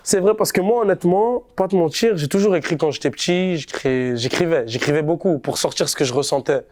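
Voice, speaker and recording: A young man from Montreal, a rapper, talking casually in a relaxed, slangy street manner during an interview. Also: fairly high pitch, fairly quick. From Montreal, Canada. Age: young adult. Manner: laid-back, slangy street talk.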